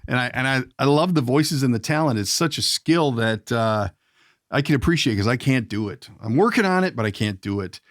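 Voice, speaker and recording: A man hosting a casual podcast interview, often repeating words and pausing as he feels his way through a sentence. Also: medium pitch, animated, a bit bright, dry recording, studio quality. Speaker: podcast host.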